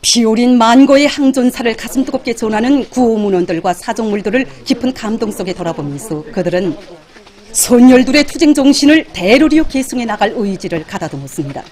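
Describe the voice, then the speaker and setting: High-pitched North Korean woman news announcer. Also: expressive, brisk, a little mellow. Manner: solemn, reverent, emphatic declamation. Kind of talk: formal scripted news narration.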